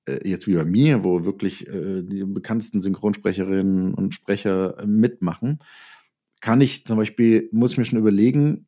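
Male writer as interview guest, low relaxed voice, explains casually through examples. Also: normal speed. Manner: explains with hypothetical examples and acted-out quotes. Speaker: interviewed writer and audio drama maker.

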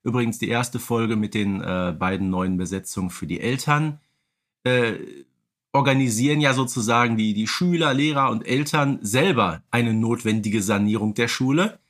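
A man's voice: mid-range voice, moderate pace, a bit bright. Man in humorous podcast chat. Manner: humorous, tongue-in-cheek. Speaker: podcast co-host. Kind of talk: casual podcast discussion.

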